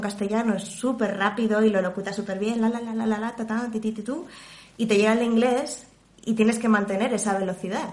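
This woman talks fairly quickly at a fairly high pitch. Her intonation is fairly even, and the room echo is audible. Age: 30s. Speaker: journalist and voice-over artist. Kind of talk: interview.

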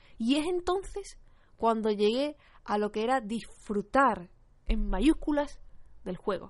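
A woman at a very slow pace, very wide pitch swings and long, frequent pauses. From Castile, Spain. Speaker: podcast host and gaming streamer. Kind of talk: farewell monologue. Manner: casual, with fillers and repetitions.

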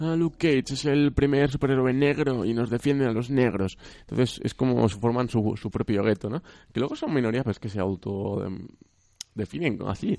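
With a Castilian accent, a man speaks at medium pitch and a moderate pace, his tone dark and mellow, with ordinary pitch variation. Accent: central Spanish (Castilian). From central Spain. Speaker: podcast host. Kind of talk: casual chat.

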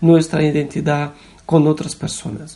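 Speaking at a very slow pace in a Portuguese accent, a woman with a very deep, low pitch has a dark, mellow tone. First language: Portuguese (speaking Spanish). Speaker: university student presenting a class podcast. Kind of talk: scripted narration. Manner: halting.

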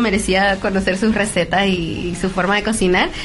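A woman at a moderate pace with fairly even intonation, amid noticeable background noise and audible room echo. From Venezuela. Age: 20s. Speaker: content creator and podcaster. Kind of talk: casual chat. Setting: studio.

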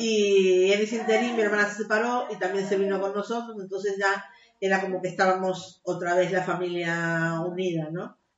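Flat, monotone intonation in a woman's voice of medium pitch. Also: moderate pace. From Uruguay. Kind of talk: interview.

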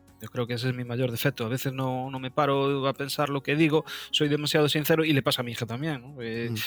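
Very fast speech comes from a man at a medium pitch with fairly even intonation. His loudness swings widely, and there is noticeable background noise. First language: Galician (speaking Spanish). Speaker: street photographer. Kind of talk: casual interview chat.

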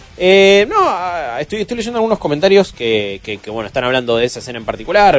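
The pitch swings very widely at a very fast pace. Noticeable background noise runs underneath. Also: man. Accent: Rioplatense. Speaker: gaming show host. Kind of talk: casual chat.

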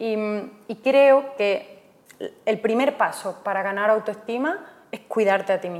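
In an Extremaduran accent, a woman talks at a fairly slow pace. Her pitch is fairly high, with ordinary variation. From Spain, Extremadura (Almendralejo, Badajoz). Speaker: nutritionist. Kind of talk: casual interview chat. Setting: in a house.

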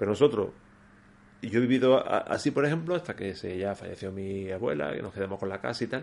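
A man with a fairly low pitch talks very fast. His intonation is lively. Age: 50s. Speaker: municipal housing official. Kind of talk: interview. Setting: office.

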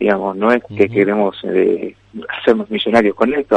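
A man with a fairly low pitch and an Argentine accent talks at a fairly quick pace. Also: dry, close sound with no echo. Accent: Rioplatense Argentine Spanish. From Santa Fe province, Argentina. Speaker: writer and journalist. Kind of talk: radio interview.

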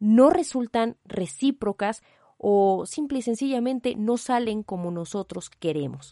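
A woman speaks at a very slow pace in a fairly high voice with a dark, mellow tone and lively intonation. The sound is dry and close, with no echo. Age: 30s. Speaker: podcast host. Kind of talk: solo podcast monologue.

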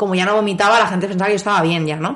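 A woman keeps her intonation fairly even as noticeable background noise sounds behind her. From Barcelona, Spain. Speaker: content creator and performer. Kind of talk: casual chat.

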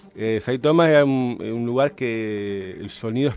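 Medium in pitch, a man speaks at a fairly slow pace. His pitch variation is ordinary. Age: 40s. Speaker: DJ. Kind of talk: radio interview. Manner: halting.

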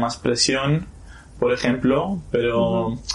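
Using a medium pitch, a man speaks at a very slow pace. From Netherlands. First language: Dutch (speaking Spanish). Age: 20s. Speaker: social media manager for a football club. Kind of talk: interview. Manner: halting.

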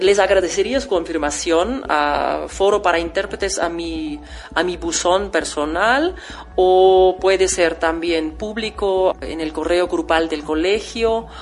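With a German accent, a woman speaks fairly slowly in a fairly low pitch over noticeable background noise. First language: German (speaking Spanish). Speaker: conference interpreter. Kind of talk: informational talk.

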